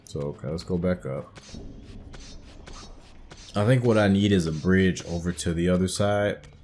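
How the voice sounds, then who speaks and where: A man's voice: low voice, measured pace, a little mellow, soft background music. A man doing casual let's play commentary, musing and thinking aloud as he works through a video game. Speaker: gamer narrating a playthrough.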